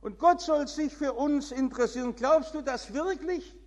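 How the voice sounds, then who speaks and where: A man preaching a sermon in slow, emphatic phrases with dramatic swings in pitch. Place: church. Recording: long church reverb.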